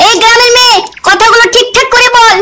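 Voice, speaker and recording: A woman's voice: extremely high pitch, fairly even intonation, fast. A woman with a Bengali accent voicing a comedy cartoon, scolding and cursing in a brash way. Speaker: cartoon voice performer. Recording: loud constant background noise.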